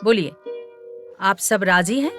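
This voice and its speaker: A stern, proud queen mother in a dubbed film drama. She gives formal, commanding orders, and her pitch rises and falls widely. Soft music plays behind her. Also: animated, a little slow. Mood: imperious. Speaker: queen mother seeking a bride for her son.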